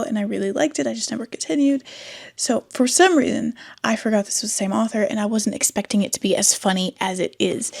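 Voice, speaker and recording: A booktube host with a cold talks into a desk microphone in a mid-range, darkish voice, sounding congested. She rambles through her casual book review, correcting herself and laughing often.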